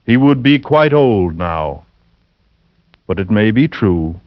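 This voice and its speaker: An actor playing a fanatical male lodger who speaks in a ranting, biblical cadence and drops to a hushed, insinuating tone, in 1940s radio acting on a dull old broadcast. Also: fairly low pitch, takes it slowly. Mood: sinister. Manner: hushed, insinuating when calm. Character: fanatical, scripture-quoting male killer lodger.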